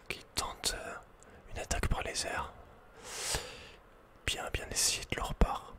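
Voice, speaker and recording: A man whispering in a soft, breathy, unvoiced voice as he gives casual ASMR commentary on a video game, with slangy asides. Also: measured pace. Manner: casual, murmured running reactions with slangy asides. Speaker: ASMR gaming video host.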